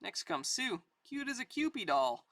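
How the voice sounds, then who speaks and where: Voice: medium pitch, big pitch swings, normal speed, bright, forceful tone, dry recording, voice pushed up. A person reading aloud a cheerful, doting old army private from a war comic. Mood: jokey, doting.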